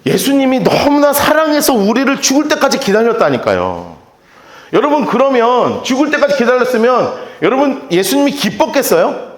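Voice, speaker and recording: Male pastor, high lively voice, preaching in an echoey church hall. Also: moderate pace. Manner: emphatic, rhetorical questions to the congregation. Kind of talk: sermon. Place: church sanctuary.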